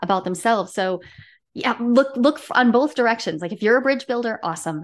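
Over a quiet background, a woman speaks with lively intonation. Her pitch is fairly high. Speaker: podcast host, relationship researcher. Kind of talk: casual chat. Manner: loud, expressive.

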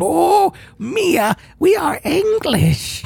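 Someone uses a high-pitched, put-on character voice.

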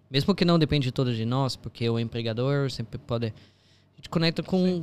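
Speaking with a German accent, a man keeps a medium pitch with ordinary variation at a moderate pace. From Austria. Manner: halting.

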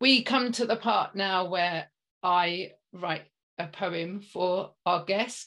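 A woman's medium-pitched voice, bright and sharp in tone, with ordinary pitch variation and a very slow pace. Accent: British. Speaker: podcast host. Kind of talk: casual interview chat.

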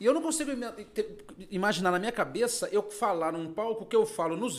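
This is a man speaking. His intonation is lively. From Campinas, São Paulo state, Brazil. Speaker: motorcycle courier and internet comedian. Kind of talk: casual chat.

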